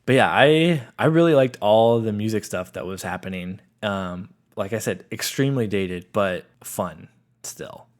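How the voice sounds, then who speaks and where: Lower voiced guy rambling casually on a podcast, says like a lot. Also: a little slow. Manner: chatty, heavy filler words. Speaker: podcast co-host. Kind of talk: casual chat.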